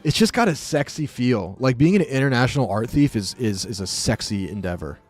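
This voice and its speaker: A man's voice: mid-range voice, animated, brisk, faint music behind. A man streaming live, chatting casually with viewers, joking and rambling as he reacts to the chat.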